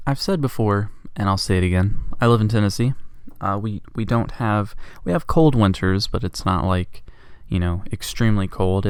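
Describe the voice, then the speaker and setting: A man's voice: lowish voice, darkish tone, clear, resonant tone, no echo, clean studio sound. A congested man rambling jokily and casually as he narrates his drawing for a vlog at home. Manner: rambling, jokey, self-deprecating. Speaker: art vlogger.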